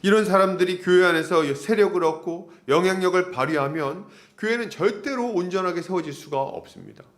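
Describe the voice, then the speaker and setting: A male pastor with a high, brisk voice preaches an expository sermon, firing rhetorical questions at the congregation and acting out the voices of those he quotes.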